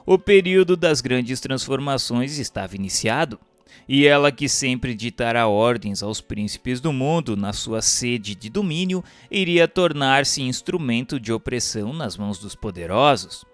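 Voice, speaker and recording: A man reading scripted narration in a formal, solemn, measured manner. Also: medium pitch, expressive. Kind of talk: scripted audiobook-style narration of a spiritual history text. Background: instrumental music.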